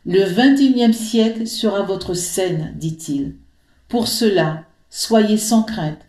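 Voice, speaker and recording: A middle-aged woman from French Guiana reading her personal testimony in an earnest, measured way. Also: mid-range voice, dark tone, roomy sound. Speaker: podcast guest.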